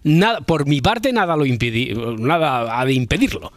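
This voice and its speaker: A man's voice: a little high, very animated, moderate pace, no room sound. A man hosting a radio show, joking and bantering casually, often repeating his words. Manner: joking, repeats himself, playful. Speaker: radio host.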